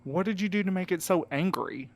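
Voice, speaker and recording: An actor in an audio drama playing an earnest, protective friend, direct and plain-spoken with mild sarcasm. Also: male voice, sits high, fairly quick. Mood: urgent. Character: earnest, protective, exasperated male friend and mediator.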